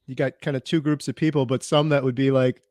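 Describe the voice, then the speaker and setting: A man's voice: medium pitch, flat delivery, fast, a little mellow, no echo, studio quality. A man hosting a casual interview, asking easygoing, rambling questions that build on his guest's answers. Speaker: interview host.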